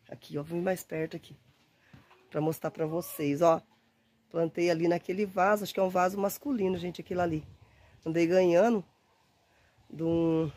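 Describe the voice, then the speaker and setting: Holding her phone at arm's length, a gardening vlogger in her forties talks warmly to camera outside in a windy garden, a bit hoarse from a cold. Her lowish voice is chatty and friendly, full of diminutives and frequent "gente." Faint outdoor wind noise runs under the recording.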